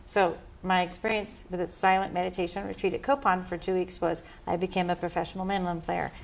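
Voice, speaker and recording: A woman's voice: lowish voice, fast talker, gravelly, slight background noise, poor audio. Woman from the US telling a story. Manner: lively storytelling, self-amused. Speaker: guest musician. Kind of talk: anecdotal interview chat.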